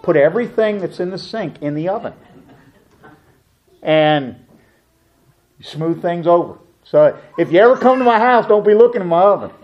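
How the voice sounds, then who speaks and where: A middle-aged man preaching a sermon as a pastor, telling a family story with lively acted-out voices. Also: high voice, moderate pace, pauses often, dull audio.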